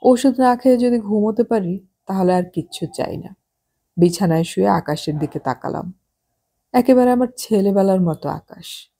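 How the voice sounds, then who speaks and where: Woman narrating a novel, measured and calm, kinda husky and dark. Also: medium pitch. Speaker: audiobook narrator. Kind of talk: scripted audiobook narration.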